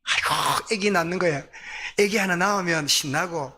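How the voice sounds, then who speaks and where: A man with a Gyeongsang accent preaching a sermon as pastor, lively, asking the congregation questions. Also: high voice, normal speed. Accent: Gyeongsang Korean.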